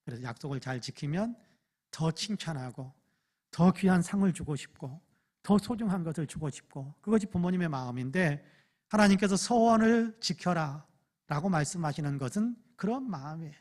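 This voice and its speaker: A man preaching at a Friday prayer meeting, moving between loud, fervent acted prayers and quiet, intimate asides. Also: a little high, expressive, moderate pace. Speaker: pastor. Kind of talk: sermon. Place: church.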